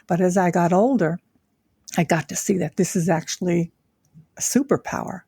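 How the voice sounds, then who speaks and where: An older woman from Japan, a guest talking reflectively in a casual interview, pausing often with fillers. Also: fairly low pitch, vocal fry, mellow, breathy edge, no echo, clean studio sound. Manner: reflective, with frequent pauses and fillers.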